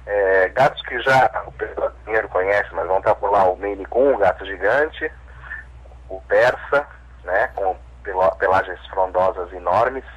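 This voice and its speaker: A man's voice: low-pitched, normal speed, husky, lo-fi sound. A man with a Brazilian Portuguese accent, an event organizer speaking as a radio guest, hesitant with many restarts. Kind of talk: phone-in radio interview.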